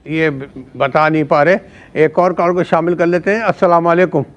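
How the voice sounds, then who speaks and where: A male host runs a call-in show. His voice is a little high and the audio is slightly dull. He greets each caller courteously and formally. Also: steady tone.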